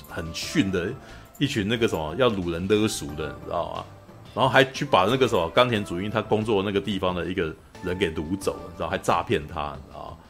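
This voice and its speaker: A man, hosting a podcast in casual chat, rambling and laughing often, tagging "you know" onto his sentences. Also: sits low. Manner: rambling, constant "you know" tag questions, frequent laughter. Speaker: podcast host reviewing a film.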